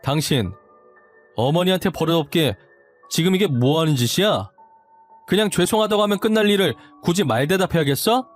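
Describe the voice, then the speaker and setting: A man's voice: a little high, lively intonation, a little slow, few pauses, faint music behind, voice pushed up. A man voicing a husband who curtly scolds his wife for talking back to his mother. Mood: reproachful. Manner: reproachful, curt.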